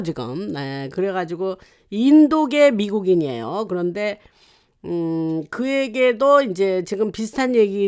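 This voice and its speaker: Brief: host from Korea, loose news-commentary monologue, resonant tone, lots of filler pauses. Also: medium pitch, clear, resonant tone. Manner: rambling, with frequent hesitation fillers.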